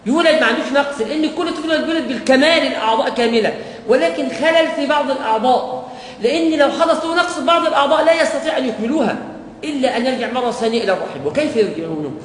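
A man's voice: very high-pitched, fairly bright tone. A man with an Egyptian Arabic accent teaching a Quran course, often putting questions to his listeners and answering them himself. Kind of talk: recorded lecture to teachers. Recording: echoey hall with long reverb and faint hiss.

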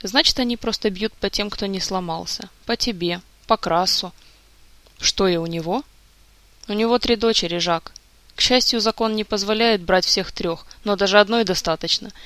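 A reader voicing a grieving adult king in an audiobook, weary and halting, close to tears. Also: mid-range voice, sharp tone, no echo, close to an everyday voice. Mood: despairing.

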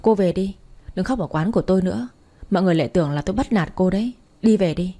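A woman's voice: lowish voice, fast talker, dark tone, lightly acted. A woman voicing a brusque, impatient young man who runs a bar, talking in a curt, scolding way.

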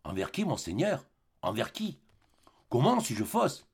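A man reading a play aloud, voicing a frightened young wife who pleads softly and in bewilderment. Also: medium pitch, huge pitch swings, a little slow, creaky, breathy edge, full character voice. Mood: bewildered.

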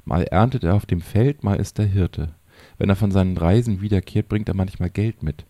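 A man's voice: deep voice, normal speed, warm tone, no echo. A man reading a chatty old village woman. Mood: fond.

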